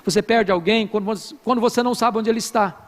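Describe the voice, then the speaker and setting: A Brazilian pastor preaching a sermon to a congregation, telling stories with humor and acted quotes. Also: male voice, high-pitched, fast talker. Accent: Brazilian Portuguese. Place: church hall with congregation. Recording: live hall with long reverb.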